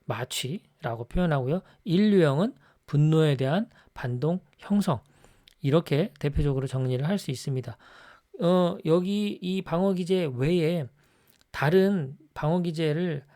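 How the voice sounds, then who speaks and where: A man giving an explanatory lecture on personality types in a conversational way, often checking in with the listener with a quick rising tag. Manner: acts out scolding examples in a louder, higher voice.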